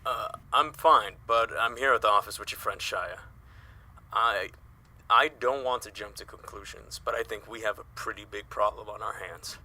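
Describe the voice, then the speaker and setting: A man playing an anxious, earnest man who speaks hesitantly and gravely in an audio drama. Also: on the low side, moderate pace, sharp tone. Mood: worried, grave. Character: anxious, earnest man calling with bad news.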